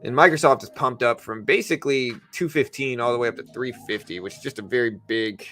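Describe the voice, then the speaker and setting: Guy streaming market commentary, regular pitched voice, talks to chat and thinks out loud, music in the background. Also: fast. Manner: informal, chatting to viewers, thinking aloud. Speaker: livestream host, stock trader. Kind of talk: casual livestream market commentary.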